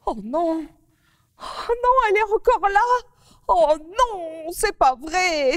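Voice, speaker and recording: A woman's voice: high-pitched, expressive, moderate pace, no echo, clean studio sound, in a large hall. A woman voicing a fretful young woman with a flower on her nose, who exclaims and stammers while speaking to the children in a children's TV story. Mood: fretful flustered.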